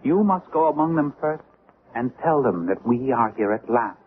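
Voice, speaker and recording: An actor playing a solemn, commanding alien envoy in an old-time radio drama, speaking in formal pronouncements. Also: male voice, medium pitch, animated, moderate pace, close to an everyday voice. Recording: tinny, noisy old radio recording.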